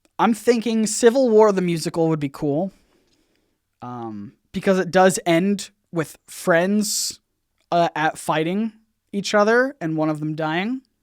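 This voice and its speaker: The voice is loud, with lively intonation, a very slow pace and long, frequent pauses. The sound is dry and close with no echo, in a very clean recording with a silent background. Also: woman, medium pitch for a woman. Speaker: YouTube comics channel host. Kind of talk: livestream chat answering viewer questions. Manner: loud, energetic; casual with many fillers.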